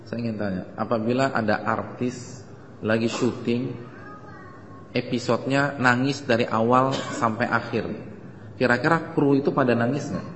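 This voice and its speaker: A man's voice: mid-range voice, steady tone, moderate pace, a bit bright. Male preacher in an echoey hall. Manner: conversational, asks the audience questions. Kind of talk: sermon. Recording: echoey hall with faint noise.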